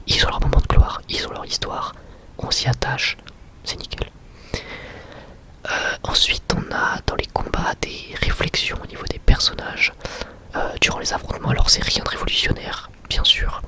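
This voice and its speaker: A young adult man gives an informal, slangy ASMR review in a breathy, unvoiced whisper. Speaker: ASMR creator and anime reviewer.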